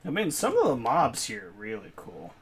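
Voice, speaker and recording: A young man from New England chats his way through a video game in a relaxed, rambling stream of commentary. His voice sits at an ordinary middle pitch, and he laughs easily between thoughts. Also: normal speed, husky. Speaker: gaming channel host. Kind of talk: casual let's-play commentary.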